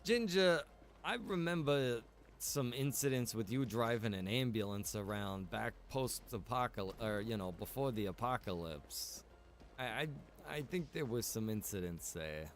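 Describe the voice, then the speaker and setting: A man's voice: mid-range voice, expressive, unhurried, a little hiss or hum. A man streaming a game, chatting casually with viewers and thinking aloud in a rambling way. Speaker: game streamer and server operator. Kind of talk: casual livestream chat while gaming.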